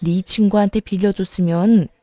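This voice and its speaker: A woman's voice: mid-range voice, fairly even intonation, moderate pace, loud music behind the voice, lightly acted. A woman voicing a harsh middle-aged mother-in-law who berates and insults her daughter-in-law in a Korean radio story reading. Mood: angry. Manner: berating, insulting, shouting accusations.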